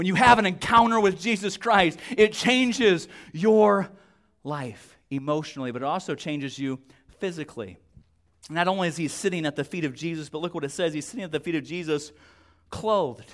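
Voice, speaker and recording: A man with an American accent speaks at a fairly quick pace in a high voice, animated in tone and lively in intonation. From Arizona (Yuma). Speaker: youth camp preacher. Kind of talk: sermon. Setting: stage with audience.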